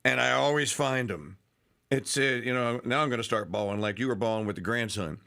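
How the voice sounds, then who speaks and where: A man's voice: mid-range voice, a little fast, vocal fry, pushed and bright. A man hosting a radio talk show, chatting casually and emotionally with a caller. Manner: emotional, laughing, rambling.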